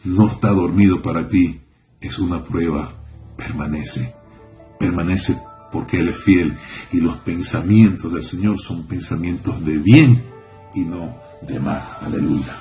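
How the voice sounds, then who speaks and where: Fervent, low-voiced male preacher. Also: a little slow, dark tone, faint music behind. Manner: fervent, repeats phrases, interjects hallelujah. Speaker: rabbi teaching a congregation. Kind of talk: sermon.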